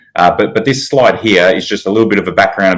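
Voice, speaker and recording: A man speaks with an Australian accent and fairly even intonation. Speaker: sports dietitian. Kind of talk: online lecture. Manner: many fillers and repetitions.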